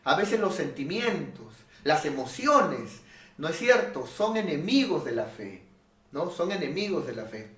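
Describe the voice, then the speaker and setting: A male pastor preaches, his pitch swinging widely as he drives points home with rhetorical questions. His voice sits a little high for a man. The recording is echoey and picked up from a distance. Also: a little slow. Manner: animated, rhetorical, asks ¿no es cierto?. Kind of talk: sermon. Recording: echoey room, voice off-mic.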